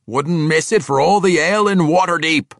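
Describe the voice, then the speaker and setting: A man's voice: on the high side, moderate pace, gravelly, a bit bright, no room sound, studio quality, pitched above the performer's own voice. A man voicing a boisterous black-bearded male dwarf warrior who roars and laughs in a folksy dialect. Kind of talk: audiobook character voice.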